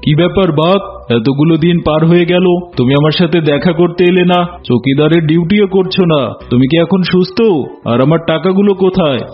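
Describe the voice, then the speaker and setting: A man's voice: on the high side, brisk, close to an everyday voice. An earnest, trusting elephant chief from a cartoon acted by a man. He speaks with dignity and without tricks. The recording is a bit dull and has faint music behind it. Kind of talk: cartoon voice acting. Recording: muffled audio with music bed.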